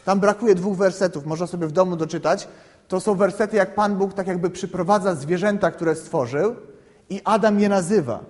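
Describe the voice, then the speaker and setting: A man explaining scripture to a group in a conversational, halting way, often checking in with the listeners and repeating words while he thinks. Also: high voice, a little mellow. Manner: conversational, keeps asking "right?" to check understanding. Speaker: Bible teacher. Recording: long reverb in a hall.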